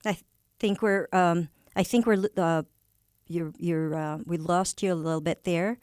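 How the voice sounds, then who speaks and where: A woman's voice: lowish voice, steady tone, a little slow, a little mellow, clean tone, no echo, studio quality. A woman from the Philippines interviewing a guest over a video call, talking with many fillers and restarts. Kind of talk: casual interview.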